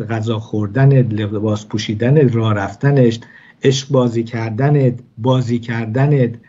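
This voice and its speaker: Male religious teacher, measured and hesitant delivery, husky tone, dull lo-fi sound. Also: medium pitch, dark tone. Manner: measured explaining, frequent hesitations. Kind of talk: weekly Torah lesson.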